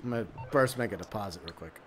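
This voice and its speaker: A man's voice: fairly low pitch, quick pace, background noise. A man hosting a live game stream, chatting casually and rambling with fillers and asides. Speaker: streamer host.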